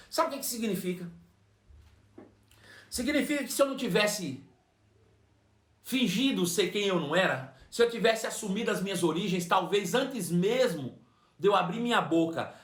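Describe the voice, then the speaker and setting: A man with a Brazilian accent preaching a sermon, telling a personal story in an animated way and repeating phrases for emphasis. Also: sits high, roomy sound. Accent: Brazilian Portuguese.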